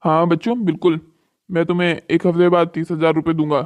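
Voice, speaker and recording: A stern hotel boss from a cartoon moral story acted by a man. His male voice sits a little high, and he gives orders in a bossy, commanding way. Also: level tone, a little fast, lightly acted. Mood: persuasive. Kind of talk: scripted cartoon story dialogue.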